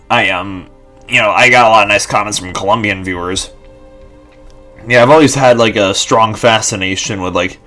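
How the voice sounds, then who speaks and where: A man's voice: on the low side, sharp tone. A young man in his twenties rambling casually to camera, full of fillers and restarts. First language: Lithuanian and English bilingual. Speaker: vlogger.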